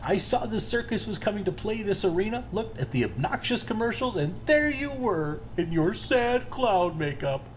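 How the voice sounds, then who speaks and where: A breezy, self-righteous serial killer played by an actor in an audio drama. The voice is casual and chatty, swinging widely in pitch, over faint background noise. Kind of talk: full-cast audio drama acting.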